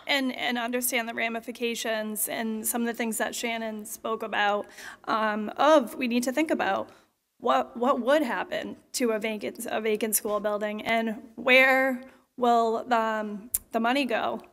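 A woman resident speaking at a podium during public comment at a town meeting, measured and hesitant, with many fillers. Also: on the high side, fairly even intonation, fairly bright tone. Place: large school auditorium. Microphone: podium microphone. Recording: long hall reverb.

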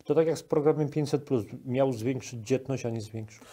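Mellow-voiced man hosting an interview. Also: medium pitch, normal speed. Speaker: interviewer, program host. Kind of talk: broadcast interview. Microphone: lapel microphone.

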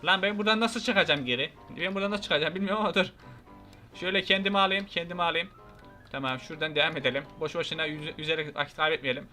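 A man giving lively, excitable commentary over his gameplay, joking and shouting at the characters on screen. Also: on the high side, racing, faint music behind. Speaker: gaming YouTuber.

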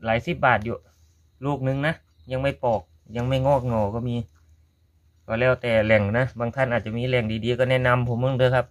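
A medium-pitched man with a Korat Thai accent runs a casual how-to gardening vlog. He walks viewers through a gardening task, calling them brothers and sisters.

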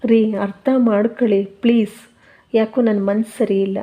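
A woman's voice: mid-range voice, flat delivery, moderate pace, phone-quality sound, natural voice. A woman voicing a dejected young wife who refuses food and pleads that she is worthless. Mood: plaintive. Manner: plaintive, self-pitying.

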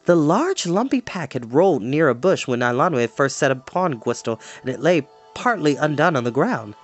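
Young man reading aloud with lively intonation. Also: on the high side, moderate pace, faint music behind. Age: young adult. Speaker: storyteller. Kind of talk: expressive reading aloud of a fantasy novel. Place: small furnished room at home.

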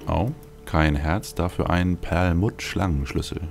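A man's voice: deep voice, unhurried, gravelly. A man hosting a let's play with casual game commentary, thinking aloud with wry, dry asides. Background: game music.

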